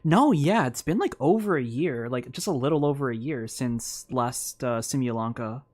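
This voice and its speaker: Androgynous-sounding streamer, middle pitch, informal, reactive playthrough commentary. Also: expressive, moderate pace, darkish tone. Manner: informal, reacts aloud, reads on-screen text. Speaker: game streamer.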